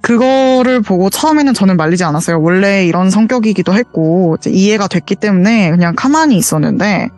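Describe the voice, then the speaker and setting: A woman calls in to tell a ghost story, speaking in an earnest, detailed way. Her voice sits at a medium pitch and comes through a voice call, with soft music playing faintly behind her. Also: lively intonation, a little fast, few pauses. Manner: earnest, detailed retelling with quoted dialogue. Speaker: caller sharing a true ghost story. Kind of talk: casual spoken storytelling.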